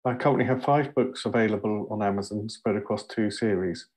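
A middle-aged man with a southern English accent introducing himself on a video call, relaxed and a little hesitant. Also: lowish voice, a little fast. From Surrey, England. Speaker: author introducing his book. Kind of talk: casual self-introduction.

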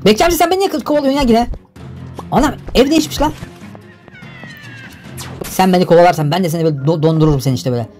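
A young man giving energetic, exclamatory gameplay commentary for a video. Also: high voice, rapid-fire, long pauses, soft background music. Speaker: gaming YouTuber. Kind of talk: excited game commentary.

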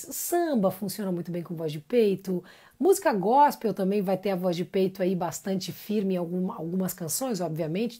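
A woman's voice: medium pitch, warm tone. A woman giving a live-streamed singing lesson, chatty and encouraging, greeting viewers by name between explanations. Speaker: singing teacher.

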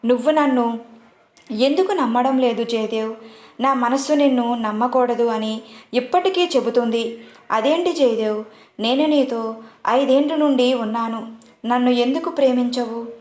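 A woman's voice: fairly high pitch, moderate pace, pauses often, a little mellow, lightly acted. A woman voicing a jealous young woman who pleads and accuses. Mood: pleading. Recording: roomy echo.

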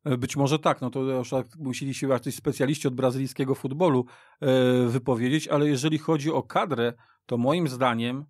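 A man discussing football as a guest pundit on a radio podcast, haltingly, repeating and restarting words. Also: mid-range voice, steady tone, no room sound, studio quality. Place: radio studio.

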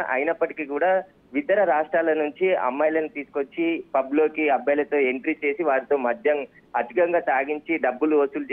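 A man, a field reporter, gives a live news report by phone, rambling at times with filler pauses. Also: medium pitch. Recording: tinny phone line.

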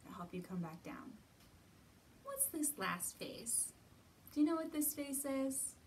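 A woman in her thirties gently guiding young children through a lesson, asking simple encouraging questions and pausing often. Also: sits high, sing-song. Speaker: children's storytime host. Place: indoor library room with bookshelves. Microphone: camera a few feet away. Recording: distant mic, roomy ambient noise.

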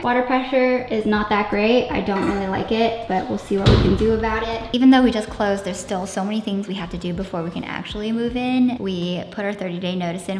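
A woman's voice: a little high, a little hiss or hum. A young woman vlogging a cheerful, chatty tour of her new house, filmed on a handheld phone. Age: young adult. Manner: bubbly, chatty, upbeat. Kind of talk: casual vlog house tour. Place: empty new house, big bare rooms. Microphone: handheld phone camera. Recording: echoey empty rooms.

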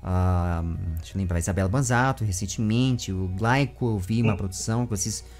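A man's voice: fairly low pitch, a little fast, a little mellow, faint music behind. Rambling young Brazilian male interview host. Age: 20s. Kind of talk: casual interview chat. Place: small home room with bookshelves, indoors. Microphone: large desk microphone with foam cover, close.

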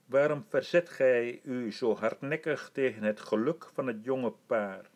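Stately old emperor, gracious and commanding, very unhurried; a man doing the voice. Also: mid-range voice, a little mellow, lightly acted. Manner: stately, measured and formal. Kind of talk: audiobook reading.

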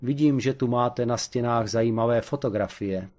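A man voicing a dry, courteous police captain who speaks in a measured way. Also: medium pitch, a little mellow, lightly acted.

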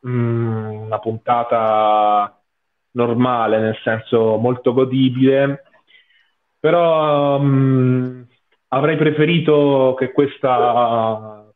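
A man in his twenties chatting casually as a guest panelist on a video call. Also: mid-range voice. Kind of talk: casual episode discussion. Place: small room at home. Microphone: headset on video call. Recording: tinny phone-like call audio.

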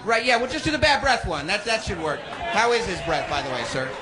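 A man working as a warm-up host on stage, bantering casually and teasing the people around him. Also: high voice, lively intonation, a little fast. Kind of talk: live crowd hosting, casual banter. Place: stage at a live event. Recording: live venue with crowd noise. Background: audience noise.

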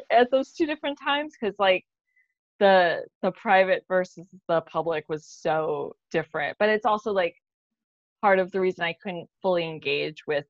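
A woman's voice: on the low side, no room sound. A woman in her thirties chatting candidly and informally as a guest on a video call, with a self-deprecating manner. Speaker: playwright guest. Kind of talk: casual, candid roundtable chat. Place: bright living room at home. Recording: slightly dull video-call audio.

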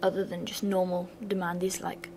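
A young woman with a slightly raspy voice from a sore throat, talking through a revision lesson in a flat, bored-sounding way with chatty asides. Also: lowish voice, a little fast, a little hiss or hum. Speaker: revision channel host. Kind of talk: casual revision lesson voice-over.

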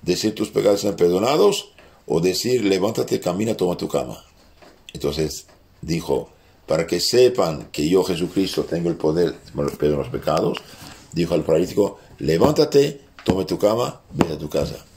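A man with a French accent teaching a catechism lesson as a priest, halting and restarting often as he quotes scripture aloud. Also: deep voice, vocal fry, darkish tone, a little hiss or hum.

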